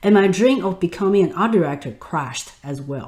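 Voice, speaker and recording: The speaker has a Taiwanese accent and a fairly quick pace, with very wide pitch swings. Audible room echo surrounds the voice. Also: woman. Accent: Taiwanese Mandarin accent in English. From Taiwan, then Los Angeles from age 14. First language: Mandarin. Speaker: online business course instructor. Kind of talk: online course lecture.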